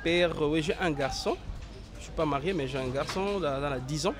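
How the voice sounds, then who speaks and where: A young man from Congo with a hoarse voice from a cold, answering interview questions outdoors in a halting, filler-heavy way. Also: a little high, over music. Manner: hesitant, many fillers and restarts. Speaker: interview guest, actor. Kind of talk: casual interview, mixing French and Lingala.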